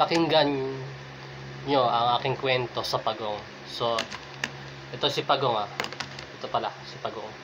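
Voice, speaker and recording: Moderate pace and ordinary pitch variation against noticeable background noise. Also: man. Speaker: vlogger telling a playful story. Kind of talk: casual vlog chat in Filipino. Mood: playful, joking boastful tall tale. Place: home room. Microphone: phone near.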